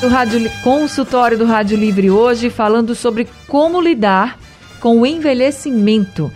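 A woman hosting a radio call-in show. She addresses listeners and guests in a friendly, measured way. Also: fairly high pitch, music in the background. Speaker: radio host.

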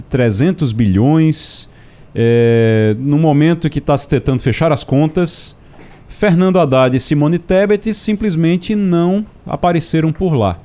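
A man from Brazil hosting a radio talk show, introducing a guest and putting an animated question to him. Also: fairly high pitch. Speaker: radio host.

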